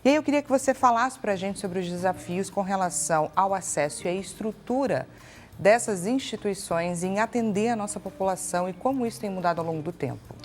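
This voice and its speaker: A woman's voice: medium pitch, animated, a little fast. A woman hosting a health show, asking formal, attentive questions. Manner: formal, attentive, brief affirmations. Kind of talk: interviewer questions. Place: TV studio.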